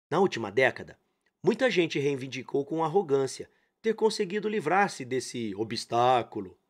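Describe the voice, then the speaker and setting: Male audiobook narrator, slightly high voice, animated dramatic reading. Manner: lively, dramatic reading with acted quotes and laughs. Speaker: audiobook reader.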